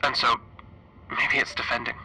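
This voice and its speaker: A man playing a frightened, stranded spaceship engineer recording an audio log for a horror roleplay, halting and stammering through a radio filter. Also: medium pitch, level tone, bright, forceful tone, soft background music, poor audio. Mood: uneasy musing. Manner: halting, stammering, anxious repetitions. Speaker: solo tabletop roleplayer.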